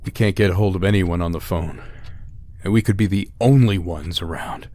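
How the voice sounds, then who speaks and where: A man's voice: low-pitched, moderate pace, dark tone, no echo, close to an everyday voice. An actor playing Joe, a resolute man in a retro sci-fi radio drama, speaking steadily and earnestly. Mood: urgent. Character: Joe, grown man, self-sacrificing and resolute. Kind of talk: golden-age style radio drama acting.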